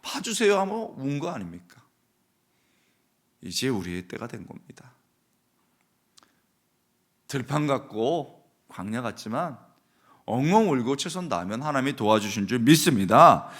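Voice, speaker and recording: A man's voice: big pitch swings, measured pace, pauses often, a bit bright. A man preaching at a dawn prayer service, telling personal stories and asking the congregation direct questions. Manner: acts out quoted voices with sudden high cries.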